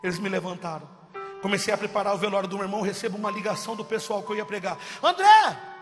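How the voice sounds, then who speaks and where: Impassioned high-voiced male preacher. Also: level tone, very fast, big-room sound, faint music behind. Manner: impassioned, swings from loud cries to hushed. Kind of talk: testimony sermon.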